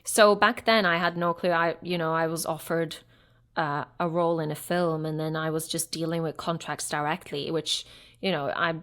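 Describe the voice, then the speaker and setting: A woman in her thirties, originally from Norway, talks as an actress guest in a relaxed interview. Her voice sits a little low, and she rambles reflectively with plenty of fillers and self-corrections. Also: moderate pace. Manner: chatty and reflective, many fillers and restarts. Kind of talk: casual interview chat.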